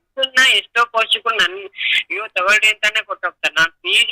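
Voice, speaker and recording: A man's raised, projected voice, high in pitch, with a dry, close sound and no echo. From Karnataka, near Shivamogga. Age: 50s. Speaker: caller, private tutor. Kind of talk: phone-in advice call. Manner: halting.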